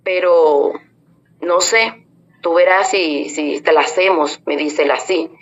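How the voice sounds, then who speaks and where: A woman with a somewhat low voice gives an earnest religious testimony, speaking to her listeners as brothers and sisters. She retells conversations in quoted speech. The recording is dull and lo-fi with faint background noise. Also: takes it slowly. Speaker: church member giving testimony.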